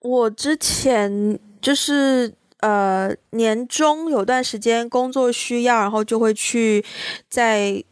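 A woman's voice: on the high side, takes it slowly, smooth, no echo. A woman, co-hosting a casual podcast in a reflective conversational manner. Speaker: podcast co-host.

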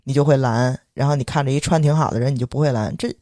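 A young man with a Beijing accent, telling an indignant story on a podcast in lively casual chat and acting out the voices of the people involved. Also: mid-range voice, fast talker, dry recording, clean studio sound. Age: young adult. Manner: animated, indignant, acts out quoted voices. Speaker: podcast co-host.

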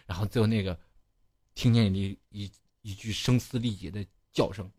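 A man hosting a studio show, telling a comic anecdote in an animated way and laughing at his own story. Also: on the low side, moderate pace, breathy edge, no echo.

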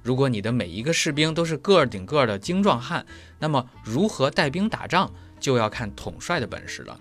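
A man's voice: mid-range voice, sing-song, a little fast, a bit bright, faint music behind. A male German teacher explaining pronunciation step by step, leaning on everyday analogies. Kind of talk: explanatory lesson.

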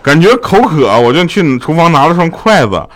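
Lively joking man in his thirties. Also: moderate pace. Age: 30s. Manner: joking, acts out quoted relatives with jumps in pitch. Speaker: podcast host. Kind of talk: comic storytelling monologue.

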